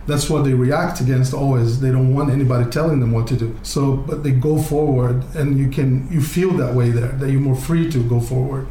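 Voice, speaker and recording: A man's medium-pitched voice with a Brazilian accent, moderate pace, hardly any pauses, very even loudness and fairly even intonation, over noticeable background noise. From Brazil, Rio de Janeiro. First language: Portuguese (speaking Russian). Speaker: restaurant owner. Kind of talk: interview.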